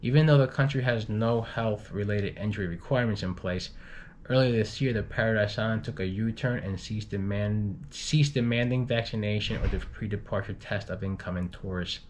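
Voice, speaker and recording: A man with a fairly low voice reads news updates informally, adding his own comments. He reads haltingly and often repeats words. The recording is noisy, with some low rumble behind him. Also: a little mellow. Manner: halting, stumbles and repeats words while reading. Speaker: news reader for an expat community channel.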